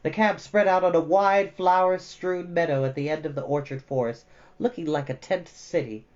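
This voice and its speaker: A storyteller reading fantasy fiction aloud as expressive storybook narration. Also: mid-range voice, moderate pace. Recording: slightly dull, band-limited audio. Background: faint music.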